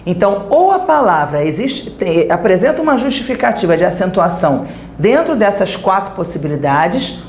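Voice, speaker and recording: A woman's voice: mid-range voice, roomy sound, a little hiss or hum. A woman with a Brazilian Portuguese accent, teaching a recorded grammar lesson and checking in with the class as she explains.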